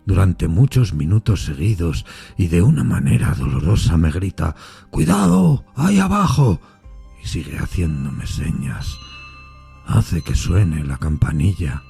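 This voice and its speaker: An actor playing a haunted, anguished railway signalman who tells his story gravely in an audio drama, with a gravelly, husky voice. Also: deep voice, sing-song, dark tone, soft background music, heavily acted. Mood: troubled, insistent. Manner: grave, troubled, deliberate storytelling. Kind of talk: dramatised Spanish-language audio fiction.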